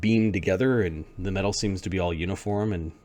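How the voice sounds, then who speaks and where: Male game master, fairly deep, casual improvised tabletop narration with halting phrasing. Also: darkish tone. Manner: halting, searching descriptions.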